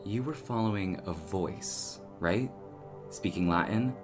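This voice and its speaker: Protective exasperated young local dude in a podcast drama, lowish voice, casual, faint music. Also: male voice, slow. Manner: casual, earnest, gently scolding. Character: protective, exasperated young male cryptid townsperson. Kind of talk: casual audio drama dialogue.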